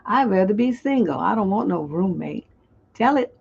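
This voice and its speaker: Medium in pitch and animated, this woman speaks at a moderate pace with a creaky, slightly rough, somewhat mellow voice. The relationship coach hosts a live call-in stream, chatting freely and voicing viewers' comments, heard through dull lo-fi audio.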